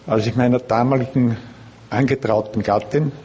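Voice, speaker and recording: Mature male meeting speaker, Austrian accent, measured careful delivery of personal testimony, light background noise. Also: mid-range voice, fairly even intonation, mellow, muffled recording. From Linz, Austria. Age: middle-aged or older. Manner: measured, careful attempt at standard German. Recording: background noise, room ambience.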